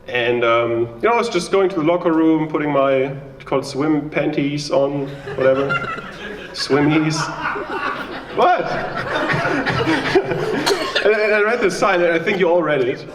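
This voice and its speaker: A man's voice: fairly high pitch, lively intonation, a little slow, echoey room, far from the mic, background noise. A young man from Germany with a German accent, doing a chatty, self-mocking stand-up set and bantering with the crowd. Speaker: stand-up comedian. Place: small live venue with audience.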